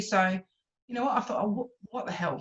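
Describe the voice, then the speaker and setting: Here is a woman with a strong Australian accent. Her voice is medium in pitch. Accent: strong Australian twang. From Western Australia, Geraldton. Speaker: local councillor, former seafarer. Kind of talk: interview. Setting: video call. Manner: chatty, rambling with fillers.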